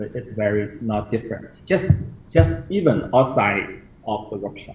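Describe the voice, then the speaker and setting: With a Chinese accent and a medium pitch, a man speaks fairly slowly, his loudness swinging widely against noticeable background noise. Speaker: facilitator, educator. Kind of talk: interview podcast. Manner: halting, searching for words.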